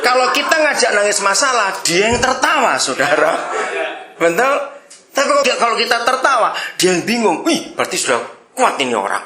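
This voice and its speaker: A male pastor delivers a sermon in a lively, teasing manner, often laughing with the congregation. His voice sits high and bright and leaps around in pitch. The sound is roomy, as if recorded in an echoing church hall. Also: fairly quick.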